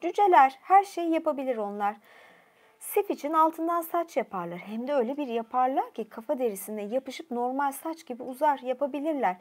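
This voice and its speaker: A woman's voice: high-pitched, animated, brisk. A woman voicing a mischievous male trickster god who talks his way out of trouble. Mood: scheming. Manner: glib, wheedling, excuses himself.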